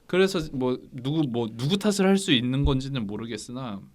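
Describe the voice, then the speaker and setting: A man's voice: mid-range voice, fairly quick, a little mellow. A man co-hosting a book podcast, rambling and thinking aloud as he chats casually. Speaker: podcast co-host.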